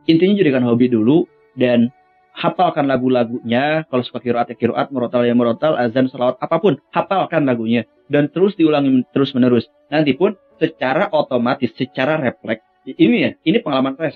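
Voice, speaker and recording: A young vocal coach for Quran recitation leads a friendly, informal lesson, greeting viewers as friends and demonstrating with melismatic sung chant. His medium-pitched voice sounds narrow through tinny audio.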